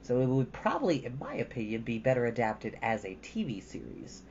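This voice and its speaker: A storytime host with a medium-pitched voice, chatting casually and informally with rambling asides and reading from a storybook. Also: very animated, brisk, a little mellow, slight background noise. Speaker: host of a storytime livestream, reading a novel aloud. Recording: dull lo-fi audio with background music. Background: ambient background music.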